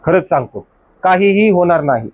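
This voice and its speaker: A man's voice: high-pitched, lively intonation, normal speed, a little mellow, dull audio. A man preaching as a pastor in a church, exhorting his congregation with rhetorical questions and mock excuses. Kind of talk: sermon.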